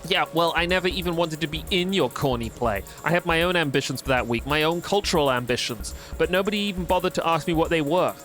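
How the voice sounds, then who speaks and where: A man's voice: a little high, fast, hardly any pauses, fairly bright tone, soft background music, lightly acted. A man voicing a defiant, aggrieved young woman in a game, protesting dramatically. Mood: indignant.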